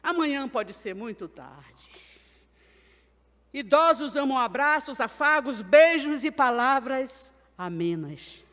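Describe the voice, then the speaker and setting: An older woman preaching a sermon, telling homely stories in a chatty way and swinging between loud and quiet. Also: high voice, animated, slow pace, long reverb tail. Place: church.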